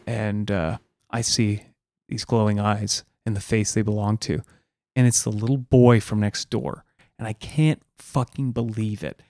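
A man's voice: fairly low pitch, darkish tone, no echo. A man co-hosting a comedy podcast, rambling through a spooky story with plenty of fillers. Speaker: podcast co-host.

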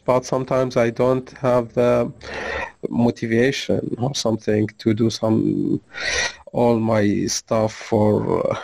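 Man, 30s, from Syria; slow, halting, gravelly. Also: medium pitch, darkish tone, rough recording. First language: Arabic. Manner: hesitant, halting non-native English. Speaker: interview guest. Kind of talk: casual conversation.

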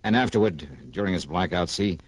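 An actor playing a tough, wisecracking insurance investigator in a 1960s radio drama, speaking in a clipped, sardonic way. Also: male voice, deep voice, fairly quick, dry recording, rough recording. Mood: wry. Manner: clipped, hard-boiled, sardonic. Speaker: narrator and lead.

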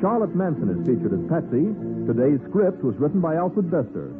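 A man's voice: on the high side, very animated, fairly quick. A man announcing a 1940s radio drama in a dramatic, polished scripted style. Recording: narrow-band old radio recording with music.

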